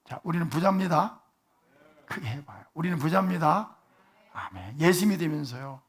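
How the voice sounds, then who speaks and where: Male pastor, husky, slightly high voice, chatty sermon delivery with frequent questions to the pews. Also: sing-song, moderate pace. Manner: conversational, asks the congregation rhetorical questions. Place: church sanctuary.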